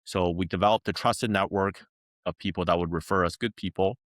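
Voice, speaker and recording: A man from China, a guest, speaking in a relaxed, candid interview manner with many "like"s. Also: deep voice, fairly quick, no room sound, clean studio sound. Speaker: guest, company founder. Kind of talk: casual interview talk.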